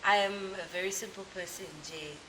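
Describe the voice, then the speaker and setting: A South African woman, a Zulu speaker, chats easily about her life as an interview guest, often laughing as she tells stories. Her voice sits at an ordinary middle pitch for a woman. A steady hiss runs under the recording. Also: brisk. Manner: relaxed, laughs often, lively storytelling. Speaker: guest, gospel singer. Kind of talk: casual interview chat, mixing Zulu and English. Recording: hissy background noise.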